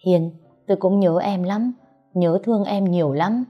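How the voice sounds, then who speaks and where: A woman voicing a tender young man, a lover come home, speaking softly and lovingly in a storybook reading. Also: mid-range voice, moderate pace, close to an everyday voice. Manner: soft, loving and gentle. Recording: slightly muffled, soft background music.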